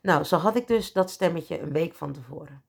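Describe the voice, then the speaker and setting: A woman hosts her own podcast, telling a personal story with candour and strong feeling. Her voice sits a little low and has a gravelly edge. Now and then she acts out the voices in her head. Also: moderate pace. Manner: candid, emotional, acts out inner voices. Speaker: podcast host.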